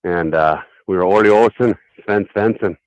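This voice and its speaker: A man chatting as a guest before a radio show, relaxed and easygoing and quick to laugh. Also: fairly low pitch, no echo, poor audio. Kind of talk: casual chat.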